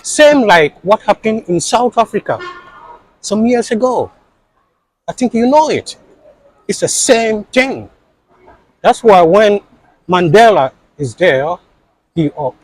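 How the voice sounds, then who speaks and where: A man's voice: high voice, no echo, low-quality recording. A man being interviewed, speaking in an impassioned, insistent way and repeating his points for emphasis.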